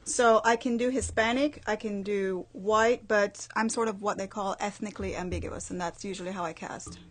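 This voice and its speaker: A woman's voice: medium pitch, fairly even intonation, normal speed. Actress guest, woman, from Belize; eager, detail-heavy answers with restarts. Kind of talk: radio interview answers.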